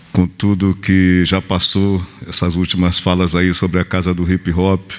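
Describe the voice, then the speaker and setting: A man speaks very slowly in a very deep, low voice over noticeable background noise. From northeastern Brazil. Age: 60s. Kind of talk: panel talk.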